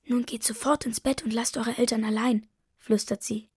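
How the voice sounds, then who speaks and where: A woman narrating a children's story in a gentle, lively way, voicing the characters as she reads. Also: fairly high pitch, moderate pace, husky, no room sound, clean studio sound.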